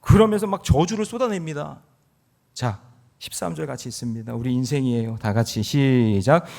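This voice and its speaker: A middle-aged man preaching a Sunday sermon as pastor, chatty and joking, rising into forceful emphasis. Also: medium pitch, normal speed, creaky. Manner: lively and conversational, with jokes and rising emphasis. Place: church sanctuary.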